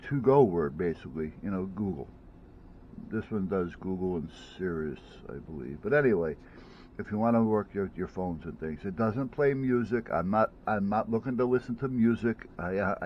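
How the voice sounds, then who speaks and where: A man's voice: deep voice, highs cut off, a little hiss or hum. A man chatting casually at home about a headset he bought, rambling, with many restarts and fillers. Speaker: vlogger reviewing gadgets. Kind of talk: casual unboxing chat.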